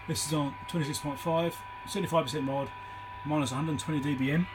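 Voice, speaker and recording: An electronics repair presenter talking casually as he works at his home workbench, thinking aloud with frequent ums and pauses. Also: a little high, steady tone, music in the background, rough recording. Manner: thinks aloud with many ums, counts into the mic.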